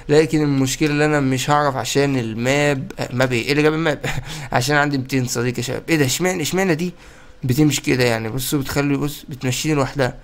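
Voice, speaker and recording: A young man with an Egyptian Arabic accent giving playful, chatty gameplay commentary and talking straight to his viewers. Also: on the high side. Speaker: gaming YouTuber.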